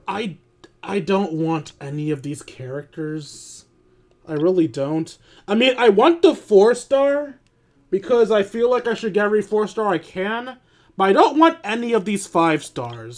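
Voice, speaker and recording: A man's voice: high voice, big pitch swings, measured pace, a little mellow. A man doing casual livestream game commentary, talking informally with swearing and grumbling. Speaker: video game streamer. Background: music.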